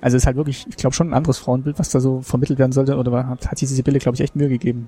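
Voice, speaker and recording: This man talks at a very fast pace, with a medium pitch. His voice is somewhat breathy. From Gera region, Thuringia, East Germany. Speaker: podcaster. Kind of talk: casual chat. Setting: walking around a museum.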